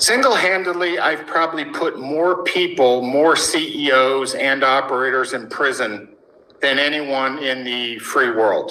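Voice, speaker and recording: Fairly high-pitched man at a fairly slow pace, with ordinary pitch variation, audible room echo and noticeable background noise. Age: 60s. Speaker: retired hedge fund manager. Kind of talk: interview.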